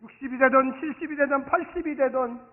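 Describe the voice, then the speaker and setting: His pitch is extremely high and his pace brisk as the pastor animatedly preaches on Sunday in the church sanctuary, alternating soft asides with loud exclamations. He acts out dialogue and has the congregation repeat after him. The sound is thin, phone-like and echoes around the hall.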